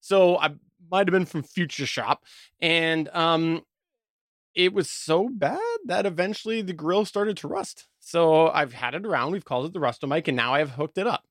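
Higher-pitched man chatting, dry sound. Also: normal speed, fairly bright tone, no echo. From Canada. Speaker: podcast co-host. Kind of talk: casual chat about audio gear.

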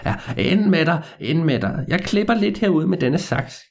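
A man voicing a sly, teasing old man who talks slowly with a mock-innocent drawl. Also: on the high side, lively intonation, vocal fry, pitched above the performer's own voice. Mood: sly, coaxing. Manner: slow, drawn-out, mock-innocent.

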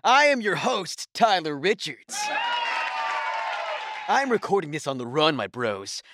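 A man playing a brash, excitable bro conspiracy podcaster delivering bombastic, over-the-top monologues in an audio drama. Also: on the high side, measured pace, over a noisy crowd, heavy background noise. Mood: showy.

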